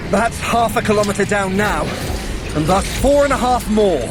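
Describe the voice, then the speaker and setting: An actor playing a sly, eloquent trickster god in an audio drama, wry, articulate and theatrical. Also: male voice, high voice, expressive, moderate pace, music in the background. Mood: observant.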